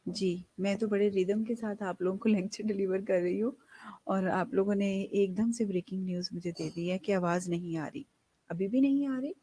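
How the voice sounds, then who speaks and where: A woman nursing lecturer with a slightly hoarse throat, giving an online class in a slow, deliberate way that mixes English and Hindi. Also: mid-range voice, level tone, mellow, rough recording.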